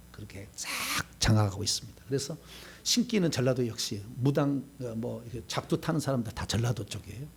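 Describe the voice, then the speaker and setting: Male pastor, middle-aged, husky, lively pitch, sermon delivery with loud bursts and soft asides. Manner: animated preaching with sudden loud bursts and quiet asides.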